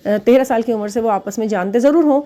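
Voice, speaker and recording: A woman who gives spiritual readings talks straight to her viewers in a loose, chatty way. Her voice sits a little high and sounds soft and mellow. She breaks into laughter at her own examples. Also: fast. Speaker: spiritual relationship reader. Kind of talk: casual advice talk to viewers.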